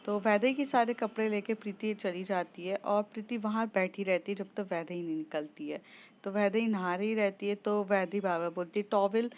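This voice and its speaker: A woman's voice: mid-range voice, a little fast. A woman telling a love story in a casual, conversational way with frequent hesitations, on a slightly muffled recording. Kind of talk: casual spoken story narration.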